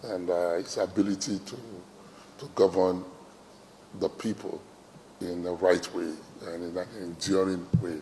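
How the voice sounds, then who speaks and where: At a fairly slow pace, a man with an American accent speaks very deep and low, with fairly even intonation, big swings in loudness, and long, frequent pauses. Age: 60s. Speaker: traditional king. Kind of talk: formal address / interview remarks. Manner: hesitant, many fillers.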